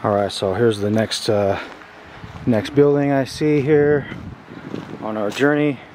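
A man in his thirties hosts an informal exploring vlog with a mid-pitched voice. He talks haltingly, thinking aloud as he walks. The handheld camera audio carries a light layer of ambient noise. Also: darkish tone. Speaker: host exploring abandoned places. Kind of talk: casual exploration vlog, narrating as he goes. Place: outdoors and inside derelict buildings, walking. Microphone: handheld camera at arm's length.

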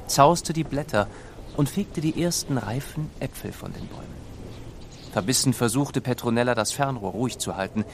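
Guy narrating a kids story, creaky medium-pitched voice, expressive and deliberate. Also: background noise. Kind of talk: scripted children's story narration. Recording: studio narration over music. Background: music.

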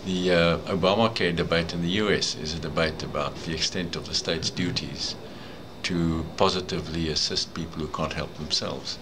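Older South African man, Afrikaans native, very low voice, measured legal answers, noisy indoor camera audio. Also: steady tone. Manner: measured, thoughtful, deliberate. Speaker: advocate being interviewed. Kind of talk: interview answers. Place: indoor room, seated. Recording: noisy room ambience.

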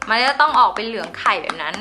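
Bubbly high-voiced woman hosting a craft tutorial. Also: animated, very fast, pushed and bright, slight background noise. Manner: bubbly, polite, talks straight to viewers. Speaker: slime-making channel host.

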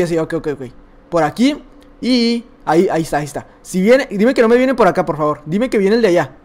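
A young man with a Mexican accent giving excitable, chatty live gameplay commentary, repeating phrases and laughing often. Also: sits high. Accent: Mexican Spanish. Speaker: gaming YouTuber.

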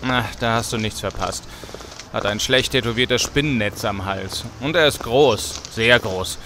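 An actor playing a cocky, streetwise buddy in a German radio play. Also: male voice, mid-range voice, measured pace, pushed and bright, a little hiss or hum. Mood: matter-of-fact.

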